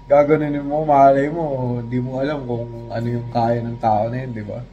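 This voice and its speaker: A man's voice: mid-range voice, level tone, normal speed, dark tone, highs cut off, soft background music. Easygoing Filipino man chatting. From Philippines. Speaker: vlogger. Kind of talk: casual chat.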